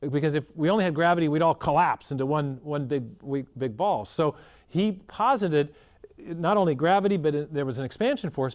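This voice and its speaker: A man as an interview guest, explaining in an earnest, storytelling way and often restarting his phrases. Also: a little high. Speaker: guest scholar.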